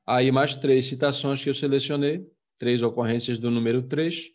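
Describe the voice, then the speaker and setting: A man's voice: medium pitch, fairly even intonation, moderate pace, lo-fi sound. A man with a Brazilian Portuguese accent giving a recorded literature lecture, explaining patiently to students with frequent check-ins. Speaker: literature teacher.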